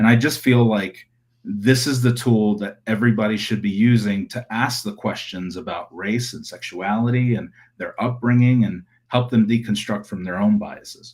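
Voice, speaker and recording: With an American accent and a normal speaking voice, a man of medium pitch talks at a moderate pace with fairly even intonation, the recording very clean and the background silent. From Los Angeles, California. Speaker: decolonial technologist. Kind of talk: interview.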